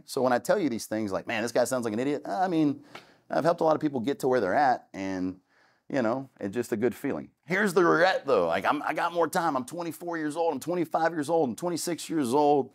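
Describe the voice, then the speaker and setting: A man, casually and candidly talking a student audience through his start in real estate, with many restarts. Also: medium pitch. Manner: candid and conversational, with many restarts and "long story short". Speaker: real estate investor giving a talk.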